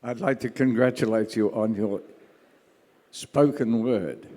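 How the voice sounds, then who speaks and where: A man in the audience asking a question at a live panel, phrasing it in a measured, deliberate way. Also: on the low side, warm tone. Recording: echoey hall with long reverb.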